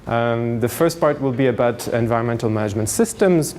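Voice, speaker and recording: Male seminar lecturer, forties, raised in Canada. Halting, explanatory delivery at average pitch, over audible background noise. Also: darkish tone. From France, grew up in Canada. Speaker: university lecturer. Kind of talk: seminar lecture, informal introduction.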